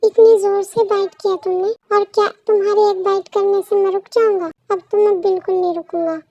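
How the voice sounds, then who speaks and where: A playful young husband from a storybook, coaxing and pleading with his partner, as a woman reader puts him on. The voice sits very high with a gravelly edge. The sound is close and dry. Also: flat delivery, fairly quick, dark tone, dry recording, lo-fi sound. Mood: teasing. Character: teasing young husband, playful then apologetic. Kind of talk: storybook role reading.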